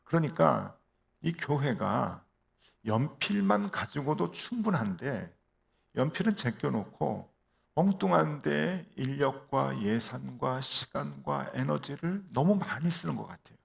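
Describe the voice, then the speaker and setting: 목이 갈라진 중년 남자 목사의 설교. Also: male voice, medium pitch, big pitch swings, a little slow, vocal fry. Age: middle-aged. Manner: storytelling with fillers and rhetorical questions. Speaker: pastor. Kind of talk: sermon. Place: church.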